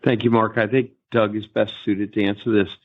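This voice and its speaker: Male executive, low voice, fielding analyst questions on a narrow phone-like line. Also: little pitch movement, fairly quick. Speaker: company executive. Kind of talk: answering analysts on an earnings call. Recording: narrow tinny conference call line.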